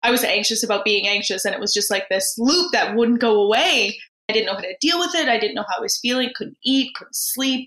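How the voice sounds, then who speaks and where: A woman with a Canadian accent uses a plain, everyday voice at a fairly high pitch, talking at a fairly quick pace with lively intonation and hardly any pauses. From Vancouver, Canada. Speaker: actress. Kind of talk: casual interview chat.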